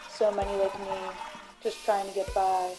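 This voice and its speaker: A woman playing a hard-boiled, self-important private detective who narrates a noir radio drama in a brooding, deadpan manner. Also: mid-range voice, normal speed, slight background noise, close to an everyday voice, poor audio. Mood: brooding, self-assured.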